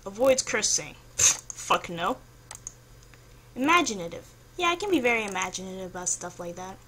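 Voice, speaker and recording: Working through a quiz on her vlog, a young woman thinks out loud in a casual, hesitant, noncommittal manner. She has a sharp, sing-song, mid-range voice at a normal speed, captured in a home recording with faint noise behind it.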